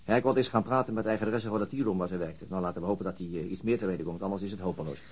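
A man's voice: sits low, rapid-fire, slightly rough. An actor playing a methodical, slightly weary police detective in a radio drama, hesitating as he thinks aloud. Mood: subdued, doubtful. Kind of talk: naturalistic radio drama acting.

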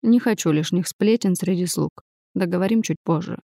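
Storybook part: a woman voicing a blunt, smirking man with clipped replies; warm, mellow tone. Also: lowish voice, moderate pace, vocal fry, no room sound. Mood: polite request. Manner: curt, dry replies.

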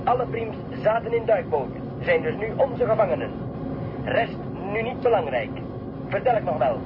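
A man's voice: high voice, animated, moderate pace. A man playing an officer who reports by field radio in clipped radio-speak, ending each turn with "over". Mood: reporting. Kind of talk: radio play acting. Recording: dull lo-fi with clear background noise.

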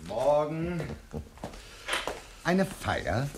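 An actor playing a wary, dry-witted jewel fence in a radio crime comedy, with a gravelly, husky voice and a hesitant, understated manner. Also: male voice, fairly high pitch, very animated, drawn-out words, noisy background, full character voice. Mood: reserved. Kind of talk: 1970s German radio crime comedy acting.

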